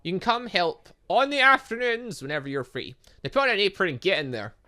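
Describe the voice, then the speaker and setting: A gamer plays a busy, bossy school cook in a visual novel game. The delivery is blunt and bright, with animated pitch. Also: fairly quick. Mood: brusque. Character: gruff, busy adult cook running a school kitchen.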